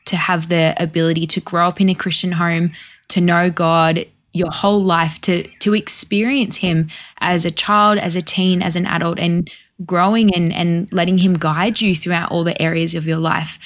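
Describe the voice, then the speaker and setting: A woman's voice: lowish voice, flat delivery, moderate pace. A woman hosting a faith interview, asking questions and affirming her guest. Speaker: guest host.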